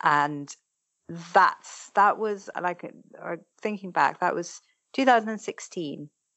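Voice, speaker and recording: A woman's medium-pitched voice in an Irish accent, very slow, with long, frequent pauses. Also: lively intonation. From Ireland. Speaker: ultra runner. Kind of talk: casual chat.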